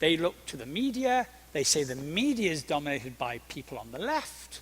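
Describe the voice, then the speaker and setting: Here a man speaks with a British accent. His intonation is lively and his pace moderate. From Britain. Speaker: professor. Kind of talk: lecture.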